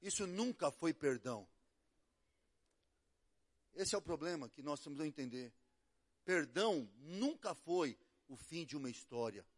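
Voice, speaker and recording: High-voiced Brazilian pastor preaching. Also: male voice, expressive, unhurried, pauses often, breathy edge. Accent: Brazilian Portuguese. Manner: storytelling, swings between hushed and loud. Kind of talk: sermon with acted quotes.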